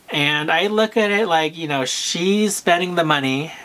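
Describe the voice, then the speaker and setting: A man talking casually to camera about luxury purchases, with a soft, soothing voice and a hesitant manner full of pauses and fillers. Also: on the high side. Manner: unhurried, hesitant, full of "um" and "you know", frequent throat clearing. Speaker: luxury fashion vlogger.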